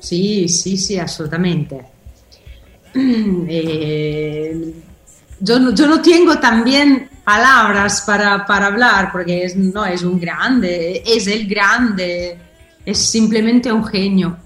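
A woman's voice: mid-range voice, takes it slowly, a bit bright. A woman guest in a casual interview, talking hesitantly and searching for her words. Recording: echoey room, faint music.

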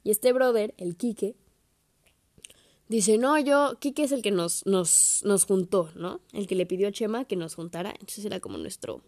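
A woman's voice: medium pitch, moderate pace. Slangy young Mexican woman telling stories. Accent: Mexican Spanish. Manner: slangy, animated, swears freely, acts out quotes. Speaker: podcast host. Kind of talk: casual storytelling monologue.

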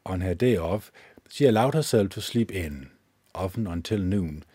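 A man with a very low, mellow voice reads from a book on his own podcast, steady and measured, now and then stumbling over a word and fixing it. His tone is slightly husky. The sound is close and dry, with no room around it. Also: dry recording. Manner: measured reading with occasional slips and self-corrections. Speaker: podcast host. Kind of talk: reading a self-help book aloud. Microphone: own microphone with gain up and low cut filter.

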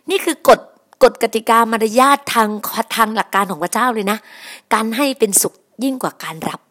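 A woman's voice: a little high, slightly rough. A woman preaching a sermon on her podcast, emphatic and repetitive, often addressing her listeners as brothers and sisters.

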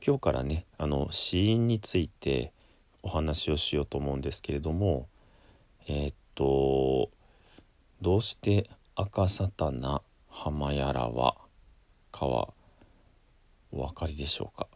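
A Buddhist priest, a man, who chants and then gives a slow, measured spoken lesson with frequent pauses and fillers. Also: extremely low pitch, animated, darkish tone, no echo. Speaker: Buddhist priest teaching pronunciation.

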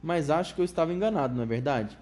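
A man voicing an eccentric, excitable chocolate factory owner with a high, flute-like voice who gushes out strings of welcomes. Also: lightly acted. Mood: gushing. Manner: gushing, rapid strings of enthusiastic welcomes.

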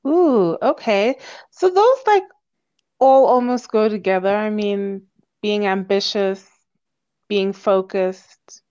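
A woman's voice: medium pitch, takes it slowly, mellow, clean tone. Chatty woman interviewer, slightly dull sound. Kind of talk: casual interview questions.

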